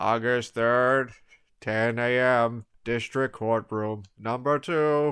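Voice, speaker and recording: Using a put-on character voice, a man speaks at a very slow pace, with medium pitch and fairly even intonation. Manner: calm, mystical, drawn out.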